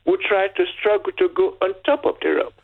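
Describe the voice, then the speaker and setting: A man's voice: sits high, brisk, vocal fry. An older man from Nigeria with a Nigerian accent and Yoruba as his first language, telling a story as a caller on a radio phone-in. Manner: storytelling, lively, with restarts. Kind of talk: phone-in chat. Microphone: telephone. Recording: tinny phone line.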